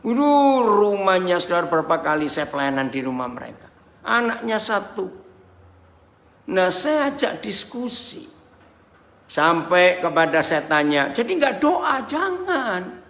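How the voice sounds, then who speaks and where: Dramatic high-voiced male pastor preaching. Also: very animated, unhurried, echoey room. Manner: dramatic, swings from shouts to quiet asides; asks the congregation rhetorical questions. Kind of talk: sermon. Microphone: video call.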